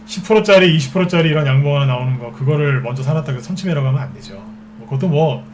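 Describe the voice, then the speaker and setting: Rapid-fire and lively in intonation, this higher-pitched man from the Seoul capital region gives a stock trading lecture as a market expert. He keeps asking rhetorical questions only to answer them himself, over a little hiss or hum.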